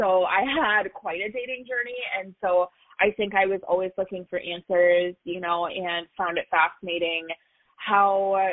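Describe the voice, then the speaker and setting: With an Upper Midwest accent, a woman is speaking. She keeps a moderate pace. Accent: Upper Midwest American. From Minnesota, Duluth. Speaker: astrologer and author. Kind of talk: interview. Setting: radio show.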